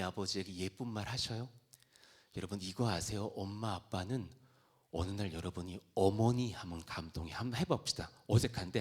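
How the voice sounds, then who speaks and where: A middle-aged male pastor preaching at a youth revival, telling stories and moving from soft asides to loud exhortation. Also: medium pitch.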